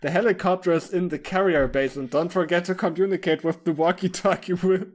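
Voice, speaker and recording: Man as a slightly high squad organiser. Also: fairly even intonation, a little fast, natural voice. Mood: instructing. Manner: instructional, listing orders. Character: male squad organiser handing out weapons, brisk and commanding.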